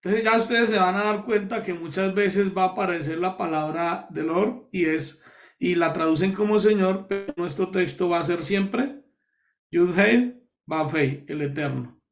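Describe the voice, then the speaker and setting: A pastor from Colombia leading a Bible study, explaining words slowly and repeating key terms to his listeners. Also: high-pitched, soft background music.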